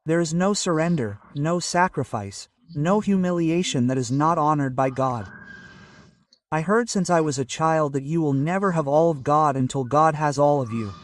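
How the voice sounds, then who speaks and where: A man's voice: fairly high pitch, no room sound. Man preaching from a distance, dry sound. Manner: measured preaching with scripture citations. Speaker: pastor. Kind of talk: sermon.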